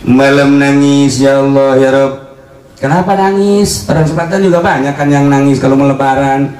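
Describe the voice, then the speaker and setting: A man preaching a humorous religious sermon, animated and jumping into mocking voices for jokes. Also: medium pitch, moderate pace. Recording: echoey hall, mic from far off.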